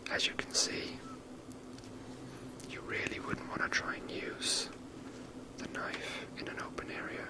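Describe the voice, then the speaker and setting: Whispered voice, ASMR game commentary, rambling, unhurried, soft unvoiced delivery. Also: low-quality recording. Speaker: game streamer.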